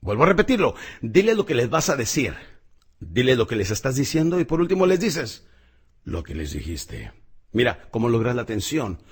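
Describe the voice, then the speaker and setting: A middle-aged man with a slightly husky voice, teaching public speaking in an emphatic, motivational audio lesson. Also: sing-song, moderate pace. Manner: emphatic, swings pitch and volume widely.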